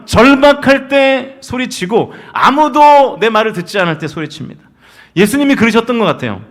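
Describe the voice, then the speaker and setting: A man in his forties, whose voice sits high, leads Sunday worship as senior pastor, preaching in a church sanctuary. He shifts from loud, emphatic calls to soft storytelling.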